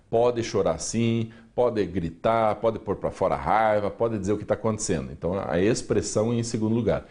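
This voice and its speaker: A man explaining emotional control for children as a regular columnist on a TV news program, with a calm, explanatory manner and a Brazilian Portuguese accent. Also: medium pitch. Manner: calm explanatory, acts out parents' lines. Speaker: weekly columnist on parenting.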